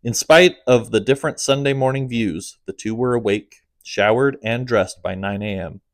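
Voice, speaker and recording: A man narrating his own comic audiobook in a steady storytelling manner, dropping low at the ends of phrases. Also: normal speed, no echo, studio quality.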